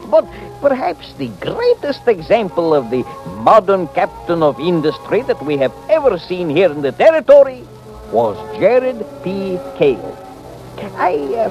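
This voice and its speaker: An actor playing a genial, boastful gypsy peddler who spins tales grandly in an old radio western. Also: male voice, fairly high pitch, mellow. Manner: grandiose, chuckling, theatrical. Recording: dull vintage radio recording, music behind.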